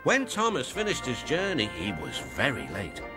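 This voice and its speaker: A man's voice: mid-range voice, wildly swooping pitch, moderate pace. British man narrating a storybook. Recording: music playing behind.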